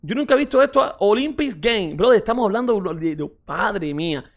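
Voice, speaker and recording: A man reacting to a football match with a heated, mocking rant, his voice sitting high. He repeats his points and keeps calling his viewers brother. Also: animated, brisk. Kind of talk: excited reaction commentary.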